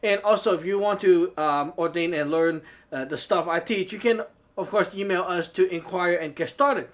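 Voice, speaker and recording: His voice sits high and moves at normal speed as he talks to camera. A chatty Taoist teacher and show host from Hong Kong with Cantonese as his first language, he gives a casual monologue, often laughing and asking "okay?"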